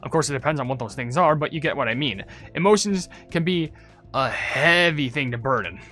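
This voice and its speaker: A man's voice: medium pitch, animated, brisk, pushed and bright, soft background music. A young man giving casual, rambling gaming commentary, thinking aloud as he goes. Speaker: gaming video creator.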